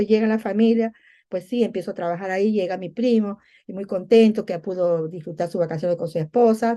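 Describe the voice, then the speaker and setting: A woman's voice: mid-range voice, dark tone. A middle-aged woman from Venezuela giving a heartfelt personal faith testimony, telling her story and acting out remembered conversations. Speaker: church member giving a testimony.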